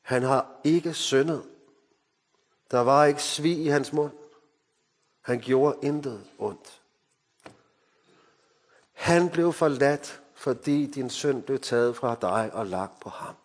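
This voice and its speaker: Danish preacher in a reverberant hall. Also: male voice, mid-range voice, pauses often. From Denmark. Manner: emphatic, dropping to hushed solemn tones. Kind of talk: sermon. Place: mission hall.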